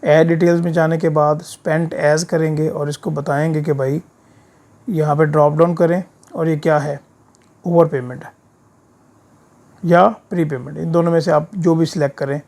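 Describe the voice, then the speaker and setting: Creaky-voiced man teaching, throat a bit sore. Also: on the high side, little pitch movement, moderate pace, a little mellow. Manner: explains step by step, checks understanding with short tag questions. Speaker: instructor of an accounting software course. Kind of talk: screen-share tutorial, informal explaining. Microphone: voice-over of a screen recording.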